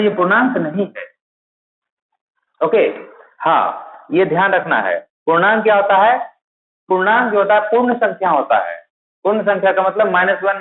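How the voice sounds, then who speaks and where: A man with a fairly high voice delivers a classroom-style math lesson, firing questions at his students and answering them himself. The recording is thin and phone-like, with an echoey room around him. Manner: asks a question then answers it himself, repeating key terms. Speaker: math teacher for teaching exams.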